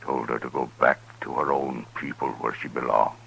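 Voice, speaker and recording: A man's voice: a bass voice, level tone, creaky, a bit bright, exaggerated voice, rough recording. An actor playing a proud, grieving Native American chief and father, speaking solemnly and formally in 1950s radio western style. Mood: solemn grief. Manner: solemn, formal, deliberate phrasing. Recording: 1950s radio recording with faint noise.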